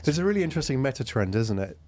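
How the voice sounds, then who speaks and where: A man's voice: medium pitch, big pitch swings, rapid-fire, darkish tone. A man hosting a conversational business interview in a studio, explaining at length and often checking in with tag questions. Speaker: host interviewer.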